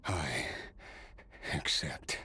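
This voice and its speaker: An actor playing a weary, courteous immortal swordsman in a video game, speaking in a measured, formal, reflective way with pain beneath it. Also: bright, forceful tone, soft background music, heavily acted. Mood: pained, resigned. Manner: slow, measured, formal, theatrical. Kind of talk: dramatic game voice acting.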